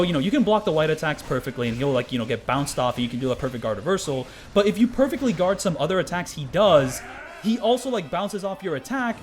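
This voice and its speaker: A man's voice: fairly high pitch, sharp tone. A man giving casual, rambling gameplay commentary, a little stuffy from a cold. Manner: rambling, lots of filler words. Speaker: gaming commentator.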